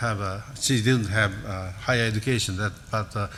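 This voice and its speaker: A man's fairly low-pitched voice at a moderate pace, with fairly even intonation and audible room echo. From Japan. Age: 70s. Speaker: chemist. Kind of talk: lecture. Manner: halting.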